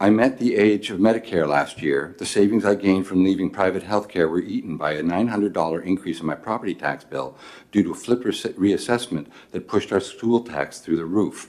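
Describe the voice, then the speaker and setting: This man has a normal speaking voice, fairly low in pitch with ordinary pitch variation, and talks at a fairly quick pace. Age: 60s. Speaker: member of the public testifying at a legislative hearing. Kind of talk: public hearing testimony. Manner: formal.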